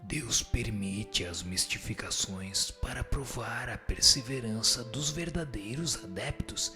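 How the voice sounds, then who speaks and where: A man's voice: medium pitch, takes it slowly, music in the background, close to an everyday voice. A man with a Brazilian accent voicing a solemn spirit who gives stern moral teaching in a scripted radio drama. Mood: solemn, admonishing. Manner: solemn, didactic.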